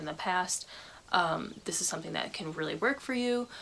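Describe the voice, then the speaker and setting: With an American accent, a woman talks at a very fast pace over noticeable background noise. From United States. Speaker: YouTuber, wellness vlogger. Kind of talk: casual vlog talk to camera. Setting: her room. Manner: casual, with many fillers.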